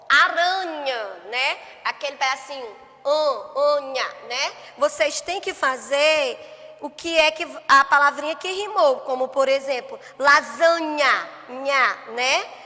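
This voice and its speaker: A primary school teacher gives a remote lesson to a first-grade class, her high voice pushed and bright. She stretches out syllables slowly and keeps checking in with the children using "né?" and "certo?". A long hall reverb fills the recording.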